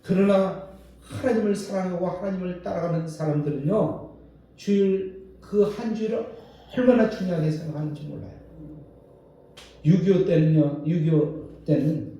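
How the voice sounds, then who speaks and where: A male pastor preaching a sermon in a lively way, acting out the voices of people he quotes. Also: sits high, normal speed. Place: large church sanctuary. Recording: very echoey hall, distant from mic.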